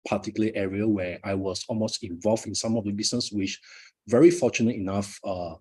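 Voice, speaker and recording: A man's voice: fairly low pitch, fairly even intonation, brisk, a little mellow, breathy edge. A middle-aged Malaysian man, a Malay native speaker, giving a live motivational talk at his book launch with frequent fillers and repeated words.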